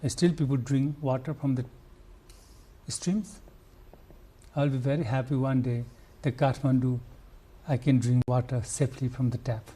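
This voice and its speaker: An older Nepali man with a Nepali accent, a conservationist answering interview questions earnestly and haltingly, with restarts and fillers. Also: medium pitch, fairly even intonation, dark tone, slightly rough. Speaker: conservationist guest.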